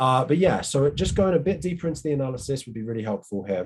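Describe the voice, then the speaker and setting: At a moderate pace, a man with a British accent speaks in a dark, mellow tone that is somewhat breathy. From Britain. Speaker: teacher. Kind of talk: tutorial. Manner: halting.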